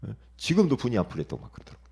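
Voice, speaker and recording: A middle-aged male pastor preaching a dawn sermon, shifting sharply between hushed whispers and loud outbursts and often calling "예?" to the congregation. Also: medium pitch, wildly swooping pitch, racing, creaky, slightly rough. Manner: dramatic swings from whispers to shouts; asks the congregation "예?" for response.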